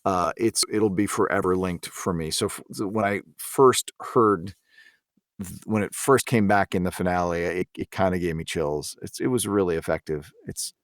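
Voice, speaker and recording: A man's voice: low voice, normal speed, no echo, clean studio sound. A man chatting informally as a panelist in a podcast discussion. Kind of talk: casual behind-the-scenes discussion.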